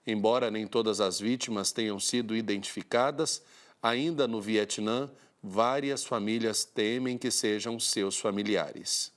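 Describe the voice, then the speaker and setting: A priest hosting a Catholic TV program, reading church news in a steady, formal newsreader manner. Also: male voice, fairly low pitch, measured pace.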